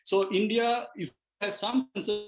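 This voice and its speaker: A man with a Sri Lankan accent arguing as a TV debate panelist, halting and repeating words. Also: high voice, steady tone. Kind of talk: argumentative live TV debate. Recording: roomy, echoing remote guest feed.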